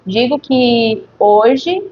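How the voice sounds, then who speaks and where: A woman with a fairly high voice chats in a relaxed interview about her life. She reflects as she goes, with little pauses and tag questions. The recording is dull and lo-fi, with faint hiss underneath. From Criciúma, Santa Catarina, Brazil. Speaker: guest, nurse. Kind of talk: casual interview chat. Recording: dull lo-fi audio with faint noise.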